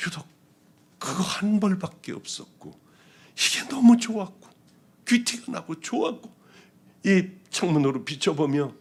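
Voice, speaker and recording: Telling his own story in a testimony sermon, a pastor whose voice sits on the high side speaks with deep emotion. His delivery shifts between quiet, hushed moments and loud stretches.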